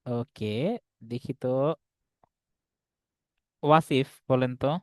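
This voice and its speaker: A man's voice: medium pitch, slow, smooth, no room sound. A man teaching an English class online, explaining patiently and checking often that students follow along. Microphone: video call.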